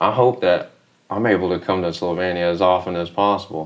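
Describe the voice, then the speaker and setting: In an Appalachian accent, a man speaks with a very deep, low pitch. His intonation is fairly even. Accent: Southern US (Appalachian). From US South, East Tennessee near Knoxville. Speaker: war veteran. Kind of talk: podcast interview, personal testimony. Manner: halting, many fillers and restarts.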